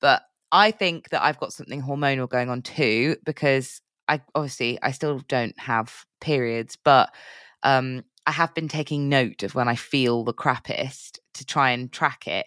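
A woman's very deep, low pitch with ordinary pitch variation and a fairly slow pace, in a dry, close sound with no echo and a very clean recording with a silent background. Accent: British. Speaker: podcast co-host. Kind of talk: casual chat.

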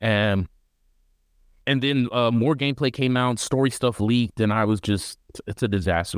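Speaking at a fairly quick pace with very even loudness, a man with an American accent and medium pitch is captured on a very clean recording with a silent background. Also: dry, close sound with no echo. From Texas. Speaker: podcast host. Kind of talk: casual chat. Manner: animated.

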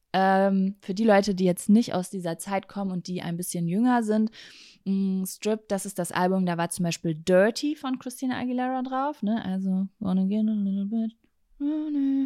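Her medium-pitched voice has a dark, mellow tone and ordinary pitch variation at a moderate pace. The woman is recorded very cleanly, dry and close with no echo, over a silent background. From Germany, East Westphalia (Lübbecke). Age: 30s. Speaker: podcast host. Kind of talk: solo monologue, casual. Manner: animated.

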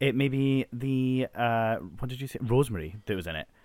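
In a very clean recording with a silent background, a man with a Scottish accent talks at a medium pitch. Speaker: science teacher. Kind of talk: casual chat.

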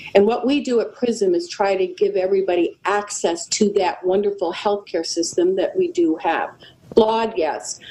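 A woman talks at a moderate pace, her medium pitch showing ordinary pitch variation, while noticeable background noise runs underneath. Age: 60s. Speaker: nurse and health advocate. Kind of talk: interview.

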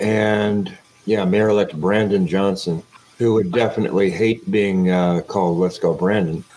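The speaker keeps a moderate pace and fairly even intonation amid noticeable background noise. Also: man, fairly low pitch for a man. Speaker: co-host and producer. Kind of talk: casual comedic chat. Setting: studio.

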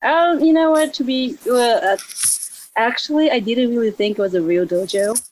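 Speaking with a Japanese accent, a woman with a high pitch moves through very wide pitch swings at a moderate pace while her loudness stays very even. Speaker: storyboard artist and martial artist. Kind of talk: casual interview chat.

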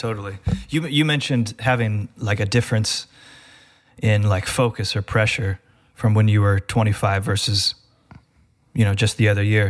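With long, frequent pauses, a man talks at a moderate pace in a fairly low, somewhat breathy voice, keeping very even loudness and fairly even intonation. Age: 20s. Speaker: podcast producer and audio editor. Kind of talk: casual interview chat. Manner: halting, repeats words.

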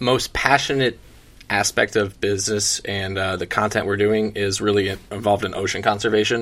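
A man speaks with an American accent. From South Florida. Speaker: media company founder and entrepreneur. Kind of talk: casual interview.

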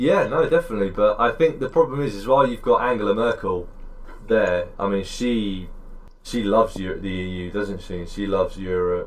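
A man with a British accent at a moderate pace. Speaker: podcast host. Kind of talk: casual chat.

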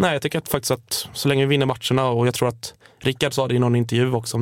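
A man talks at a very fast pace in a monotone with flat intonation. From Stockholm, Bromma. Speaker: football supporter. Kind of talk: casual chat. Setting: studio.

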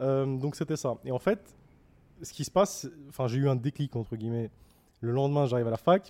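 Using a medium pitch and ordinary pitch variation, a man speaks at a fairly quick pace with long, frequent pauses, in a dry, close sound with no echo. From Paris suburbs (Seine-Saint-Denis, 93). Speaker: business owner, car window tinting franchise founder. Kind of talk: interview. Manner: hesitant, many fillers.

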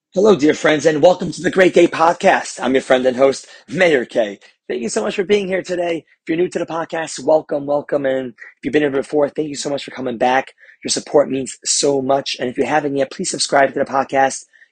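This man has an ordinary speaking voice and a fairly high pitch. His pace is fairly quick, and the sound is dry and close with no echo. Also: ordinary pitch variation. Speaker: podcast host. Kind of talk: scripted intro and outro. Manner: upbeat.

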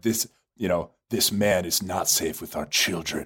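The voice is a raspy, put-on character voice. It moves at a very slow pace. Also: man, very deep, low pitch for a man, ordinary pitch variation. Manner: ominous, dramatic.

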